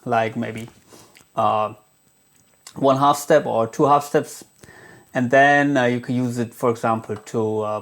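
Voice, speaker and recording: In a laid-back guitar gear demo, this man talks haltingly, often filling gaps with "um" and "uh." He has a mid-range voice.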